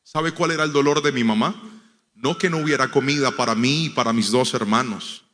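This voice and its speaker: Man, sermon, storytelling preacher, soft to forceful, bright tone, long hall reverb. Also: mid-range voice, fairly quick, slight background noise. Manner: storytelling, swings from hushed to loud and emphatic. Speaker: pastor.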